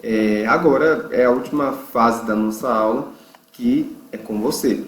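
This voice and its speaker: A man from Brazil teaching an English lesson, explaining phrases and slowly drawing out example words for learners to repeat. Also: mid-range voice. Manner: slow, drawn-out pronunciation drills. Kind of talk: online language lesson. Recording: echoey room.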